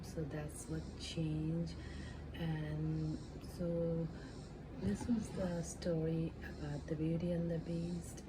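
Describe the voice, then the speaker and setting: A woman speaks softly in an ASMR storytelling style, unhurried and on the low side. Her delivery is gentle and halting, hushed and close to whispering at times. A clear, steady noise sits behind her voice. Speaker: ASMR storyteller, channel host. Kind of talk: soft-spoken ASMR storytelling, improvised retelling of a fairy tale.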